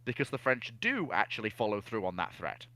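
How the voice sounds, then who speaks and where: A man with a fairly low voice that has a bright, forceful edge. He talks as a panelist in a history discussion, explaining things in measured, conversational steps. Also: sing-song.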